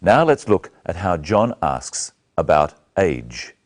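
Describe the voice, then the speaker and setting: A middle-aged man teaching English in a deep voice, with lively rises and falls in pitch. He speaks slowly and very clearly, like a scripted lesson. A lapel mic keeps him close. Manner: slow, clear, carefully spoken. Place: small studio set, indoors.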